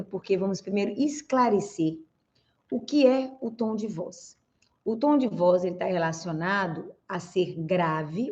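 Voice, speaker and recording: A woman's voice: mid-range voice, a little mellow. Brazilian woman coaching on voice, slightly muffled. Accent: Brazilian Portuguese. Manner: didactic, explains step by step with frequent "né?" and "tá, gente?". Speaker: speech therapist and communication coach. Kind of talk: answering viewer questions on camera.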